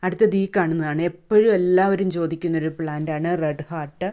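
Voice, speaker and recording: A woman's voice: deep voice, steady tone, a little fast, dark tone. A woman, talking through her home plant sale in a plain, chatty way with many fillers and restarts. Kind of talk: casual plant sale vlog.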